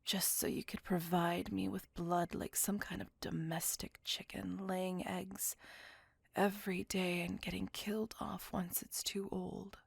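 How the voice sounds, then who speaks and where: A woman voicing a possessive, devoted female vampire on a date, speaking in a soft, close, apologetic and doting whisper. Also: lowish voice, level tone, measured pace, gravelly, breathy edge, no room sound, full character voice. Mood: tender whisper. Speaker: voice actor. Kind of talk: ASMR roleplay whispering.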